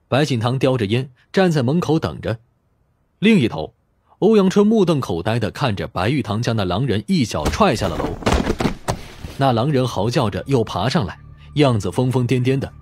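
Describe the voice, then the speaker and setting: A man's voice: mid-range voice, sing-song, normal speed, darkish tone, slightly rough, dry recording. A man reading a crime novel as a scripted, dramatic audiobook narration.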